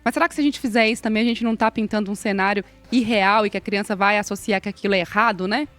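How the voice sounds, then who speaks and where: A woman hosting an interview, asking quick, reflective questions. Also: mid-range voice, steady tone, a bit bright, faint music behind. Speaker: host. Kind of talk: interview host.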